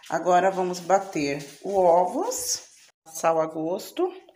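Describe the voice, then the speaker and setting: A woman talks in a room with audible echo and light background noise. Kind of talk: casual cooking tutorial. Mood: cheerful, playful. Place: kitchen. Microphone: phone near.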